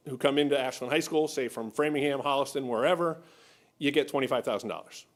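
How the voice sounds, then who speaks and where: Guy walking a town board through budget numbers, patient, kinda high voice. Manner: patient, explanatory, many restarts and "right?". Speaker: school finance official. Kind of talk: explaining budget at a public meeting.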